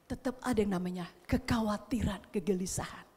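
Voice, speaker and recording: A woman with an Indonesian accent preaching a sermon, who retells a story with dramatic cries and then drops to a soft, hushed voice. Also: medium pitch, fairly quick, husky. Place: church sanctuary. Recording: long church hall reverb.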